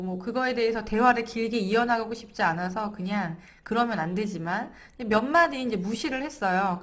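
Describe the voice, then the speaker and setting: A woman in her thirties, a parenting coach, explaining calmly and gently to camera and sometimes acting out what was said. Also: medium pitch. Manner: gentle, explanatory, acts out quoted lines. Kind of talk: to-camera parenting lesson with personal anecdote.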